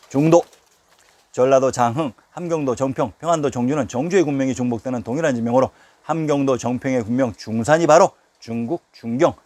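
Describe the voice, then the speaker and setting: A man in steady scripted narration of a history lecture, reading out each place name as a heading before explaining it. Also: medium pitch.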